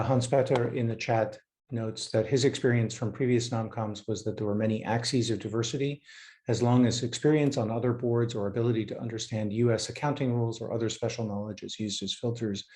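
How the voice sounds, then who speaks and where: A man chairing an online forum over a video call, speaking in a measured way with frequent fillers. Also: lowish voice, steady tone, a little mellow. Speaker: meeting chair.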